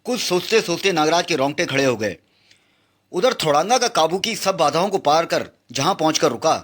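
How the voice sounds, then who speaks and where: A man's voice: a little high, animated, moderate pace. A man reading a comic book aloud with dramatic, exclamatory narration.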